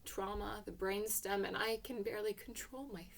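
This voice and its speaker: A woman's voice: medium pitch, steady tone, normal speed, creaky. A woman reading a literary short story in the first person, with intense, theatrical delivery. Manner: intense, theatrical, hushed passages swelling to emotional peaks.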